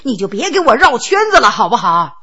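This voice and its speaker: A woman's voice: fairly high pitch, very animated, a little fast, pushed and bright, slightly rough, lo-fi sound, pitched below the performer's own voice, full character voice. A woman storyteller voicing a Qing prince, a grown man who gives harsh orders and then stammers in confusion. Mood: flustered. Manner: commanding, then flustered and stammering. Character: Qing prince, middle-aged man, stern official turned bewildered.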